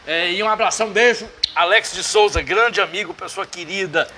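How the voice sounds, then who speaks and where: Bright, jovial male interviewer. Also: high voice, normal speed, a little hiss or hum. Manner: jovial, sends greetings to friends, laughs along. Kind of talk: casual bar-table interview. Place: bar, indoors.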